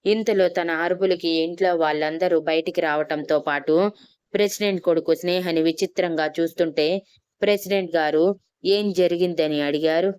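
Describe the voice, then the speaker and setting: Clear low-voiced woman storyteller. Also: steady tone, normal speed, darkish tone, dry recording, clean studio sound. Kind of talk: scripted narration.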